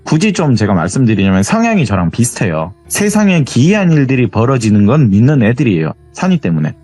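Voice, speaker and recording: A man's voice: medium pitch, fast, soft background music. A young man acting as a guest storyteller, who tells a true horror story in a casual way and acts out the dialogue. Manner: animated, acts out quoted dialogue.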